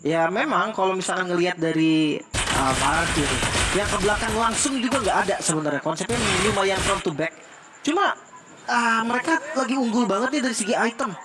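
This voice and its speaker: A man's voice: high voice, animated, brisk, loud music behind the voice. A man giving casual, analytical commentary as an esports co-caster.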